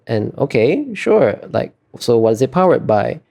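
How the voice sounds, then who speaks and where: A man's voice: mid-range voice, sing-song, measured pace, creaky, mellow. A man being interviewed as an artist, talking casually and explaining in a hesitant, self-correcting way.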